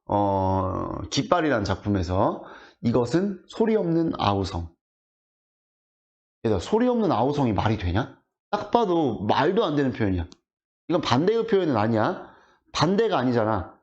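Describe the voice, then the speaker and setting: Lively teacher explaining poems. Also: male voice, fairly high pitch. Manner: rhetorical questions to students, colloquial and animated. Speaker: high school Korean literature teacher. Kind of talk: online exam explanation lecture. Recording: dull lo-fi audio.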